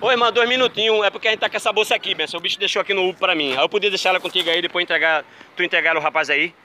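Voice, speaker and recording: A man hosting a street prank video, talking quickly and insistently as he presses strangers. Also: sits high, fairly even intonation, pushed and bright. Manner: insistent, pleading, fast-talking. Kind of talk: street prank, persuasive chatter. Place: outdoors on a city street. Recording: street noise from passing cars. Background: traffic noise.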